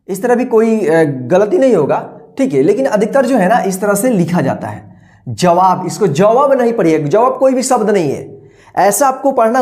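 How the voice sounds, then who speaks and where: A woman teaching an online reading lesson at a middling pitch. She explains patiently and repeats herself. She stretches and spells out words, and she often stops to check that the class is following. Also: a little mellow.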